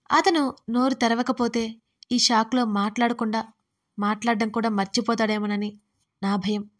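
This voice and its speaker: Woman storyteller, kinda high voice, dramatic teary first-person love story narration. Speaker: writer and narrator of audio stories.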